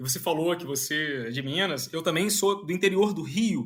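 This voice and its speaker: A man talks in a high pitch with lively intonation. The recording is very clean, with a silent background. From interior of Rio de Janeiro, Brazil. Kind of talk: casual, conversational.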